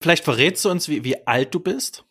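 A man's voice: fairly high pitch, expressive, fairly quick, fairly bright tone, slightly rough. A man co-hosting a casual interview, asking the guest questions in a friendly way. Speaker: podcast co-host.

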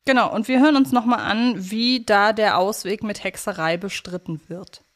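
A woman's voice: mid-range voice, moderate pace. A woman co-hosting a podcast, chatting casually as she reviews an audio drama. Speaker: podcast co-host.

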